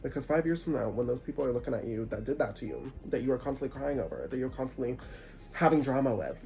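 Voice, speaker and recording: Young male vlogger, stuffy nose, animated and preachy, mid-pitched, faint music underneath. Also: fast, creaky. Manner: animated, preachy, sarcastic asides. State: congested. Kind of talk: casual spiritual advice monologue.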